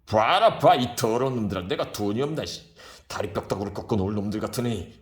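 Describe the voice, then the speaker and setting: A man voicing a drunk, boisterous middle-aged rickshaw man who talks in rough, loud shouts. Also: fairly low pitch, sing-song, normal speed. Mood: drunk shouting.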